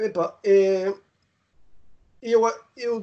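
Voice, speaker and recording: The speaker is a man. His tone is dark and mellow. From Portugal, Trás-os-Montes (Bragança), raised in Spain and France from age 6-7. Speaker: professional wrestler. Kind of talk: interview. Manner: halting.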